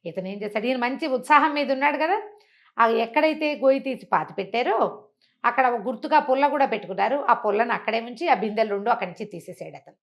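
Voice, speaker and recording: High-voiced woman telling folk tales. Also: quick pace. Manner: animated, colloquial, explanatory, with rhetorical questions. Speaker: storyteller. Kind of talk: conversational folk storytelling with acted-out dialogue.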